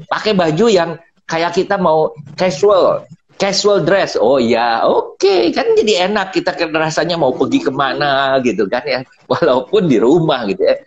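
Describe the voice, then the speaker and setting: Middle aged guy rambling on a live stream, animated, does the voices in his stories, kinda muffled audio. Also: fairly high pitch, normal speed. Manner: animated storyteller, acts out quotes, laughs often. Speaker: business speaker on a live stream. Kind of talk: casual motivational talk. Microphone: phone mic.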